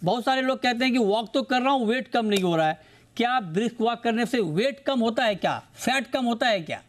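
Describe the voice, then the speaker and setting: A male television host with a notably high voice leads a studio panel interview. He asks long, winding questions and addresses his guests politely as sir. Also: animated, fairly quick. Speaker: TV show host.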